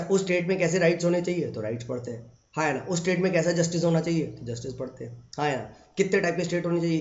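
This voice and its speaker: A male teacher giving an online exam-prep lecture, mixing English phrases into Hindi, asking rhetorical questions and repeating phrases, then dropping low and quiet for the answers. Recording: echoey, dull lo-fi room recording.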